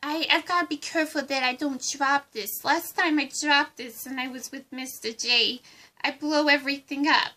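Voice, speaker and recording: A woman's voice: high-pitched, fairly even intonation, moderate pace, sharp tone. A woman voicing a giddy, unhinged female villain with a put-on accent in a fan roleplay, bubbly and eager to please. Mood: manic.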